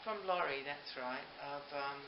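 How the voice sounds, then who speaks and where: Unhurried and low-pitched, an older woman who makes dolls chats casually on camera as the video's host, gushing and wandering off on tangents. The home recording is noisy, muffled, and has a roomy sound.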